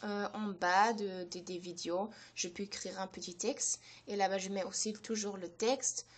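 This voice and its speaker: A woman's voice: medium pitch, steady tone, moderate pace, breathy edge. A woman whose first language is German, hosting a language-learning channel and explaining in French, hesitant and full of fillers and restarts. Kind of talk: unscripted explanation to camera.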